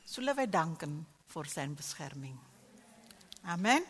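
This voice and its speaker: A middle-aged woman preaching a sermon, swinging between soft reflection and loud exclamations. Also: low voice, big pitch swings, unhurried, slightly rough. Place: church hall. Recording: long church hall reverb.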